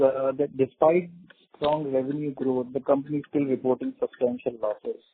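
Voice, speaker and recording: Husky man on a phone line. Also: mid-range voice. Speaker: investor asking questions. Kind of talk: measured question-asking on a conference call. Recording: muffled narrow phone line.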